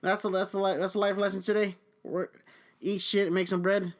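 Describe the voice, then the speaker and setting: A man's voice: sits high, flat delivery, moderate pace. A young man hosting a podcast, venting angrily about his job in a foul-mouthed rant. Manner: heavy swearing, angry venting. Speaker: podcast host. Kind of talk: profane ranting monologue.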